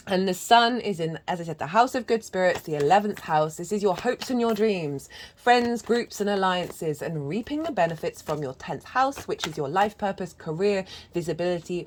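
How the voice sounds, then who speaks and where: A woman with a croaky voice giving a channelled astrology reading, talking in a gentle, flowing, spiritual way with frequent ums. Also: on the low side, a little hiss or hum. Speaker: astrology and tarot reader.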